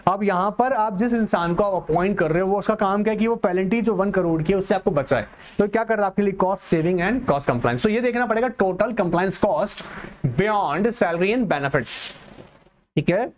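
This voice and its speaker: His voice sits high and sounds expressive as he teaches an online exam-prep class. He reads English points at a slow pace, explains them in Hindi blended with English, and addresses his students as "beta."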